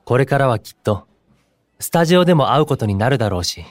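An actor playing a kind, composed young male idol in an audio drama, speaking as a friendly, encouraging senior with gentle wording. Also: mid-range voice, animated, fast, no echo, lightly acted. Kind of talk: Japanese audio drama acting.

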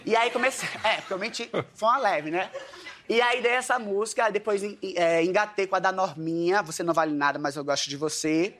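A dance teacher from Paraíba, appearing as a guest storyteller, tells a comic story to an audience in a high voice at a fairly quick pace, with a Northeastern Brazilian accent. Animated, he acts out his own dialogue and the voices of the people in the tale.

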